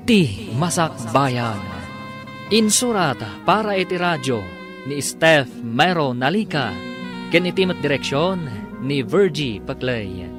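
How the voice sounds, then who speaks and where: Male radio drama narrator over music. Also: fairly high pitch.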